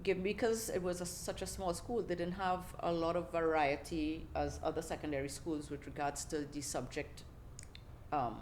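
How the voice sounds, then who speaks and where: A middle-aged Trinidadian woman with a notably low voice tells her story in a relaxed, chatty way. She laughs often and restarts her sentences as she talks. Faint background noise sits under the voice. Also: normal speed. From Trinidad and Tobago. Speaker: podcast guest. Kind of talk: casual interview storytelling.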